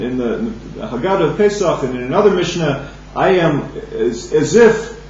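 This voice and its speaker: During a daily Talmud study session, a man with a high-sitting, darkish voice reads passages in Aramaic and explains them in English, stopping and restarting phrases haltingly. A far-off, dull lo-fi microphone captures him in a very echoey room, with a faint hum underneath.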